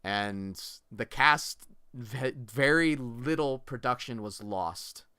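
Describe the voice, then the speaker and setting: Bright, crisp-voiced male streamer. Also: medium pitch, lively intonation, slow pace, dry recording, studio quality. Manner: earnest, thanking viewers. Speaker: livestream host. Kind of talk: casual livestream chat.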